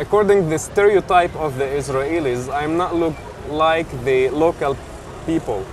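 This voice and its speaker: A man with a fairly high voice speaks at a moderate pace, his pitch varying in an ordinary way, as noticeable noise sits in the background. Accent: Arabic. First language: Arabic. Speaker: lawyer. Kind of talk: interview.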